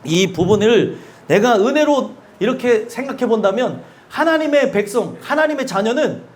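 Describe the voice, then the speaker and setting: In a church sanctuary, a male pastor preaches in an unusually high voice with wide pitch swings. Very animated at normal speed, he keeps questioning the congregation and laughs between points.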